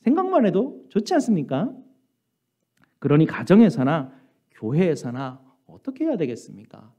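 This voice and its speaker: Lively, dark-toned preaching man. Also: fairly high pitch, normal speed. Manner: earnest preaching with many rhetorical questions. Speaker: pastor. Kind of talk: sermon. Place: church sanctuary. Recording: dull lo-fi church recording.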